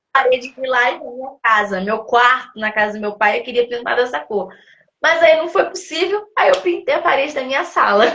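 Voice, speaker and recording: Her voice is raised and projected, high in pitch, with a bright, sharp tone. This woman moves at a moderate pace with very wide pitch swings. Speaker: radio host. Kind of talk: interview. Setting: live video stream.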